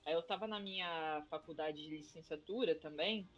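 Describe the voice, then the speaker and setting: A woman's voice: deep voice, normal speed. A Brazilian woman, a teacher, talking animatedly in a casual podcast discussion. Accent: Brazilian Portuguese. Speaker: podcast panelist. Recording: dull lo-fi audio.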